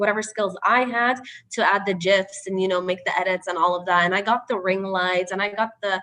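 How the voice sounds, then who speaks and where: A woman speaks in an unremarkable speaking voice. Her pitch is medium and her pace moderate. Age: 20s. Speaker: journalist and video creator. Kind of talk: online presentation. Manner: casual, many fillers.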